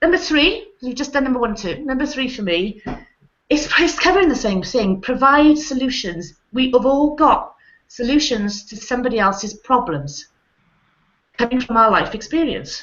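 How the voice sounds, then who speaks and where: Speaking in a British accent, the voice moves at a moderate pace with lively intonation. Its loudness swings widely. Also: woman, high pitch for a woman. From UK. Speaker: online business owner. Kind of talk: panel discussion.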